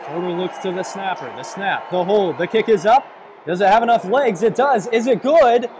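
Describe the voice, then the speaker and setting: A man's voice: high-pitched, normal speed. A young man doing live play-by-play American football commentary as a sportscaster. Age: young adult. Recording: clear stadium background noise.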